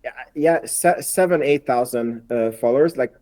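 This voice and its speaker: Mellow-voiced man from Hungary, chatty. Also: medium pitch, moderate pace. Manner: chatty, repeats words, slightly non-native phrasing. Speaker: guest, investor and YouTuber. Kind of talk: casual podcast conversation.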